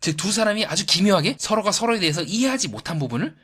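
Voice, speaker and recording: A man's voice: high-pitched, fast, slightly rough. A man giving an analytical commentary on a reality show, asking rhetorical questions and answering them himself. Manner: lively, acts out quoted voices. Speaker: YouTube psychoanalysis commentator.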